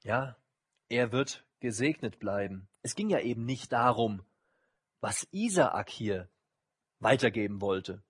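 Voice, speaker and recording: Husky German-speaking preacher, expressive. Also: male voice. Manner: expressive, acts out quoted voices with rising pitch. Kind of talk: sermon with Bible reading.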